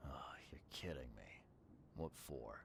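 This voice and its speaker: A man whispers in a put-on character voice. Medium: video game. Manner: dry, deadpan.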